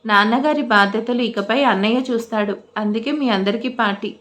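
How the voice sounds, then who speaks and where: A woman's voice: on the high side, a little fast, a bit bright, lightly acted. A woman voicing a cheerful, forgiving young woman who talks breezily with friends in a storybook reading.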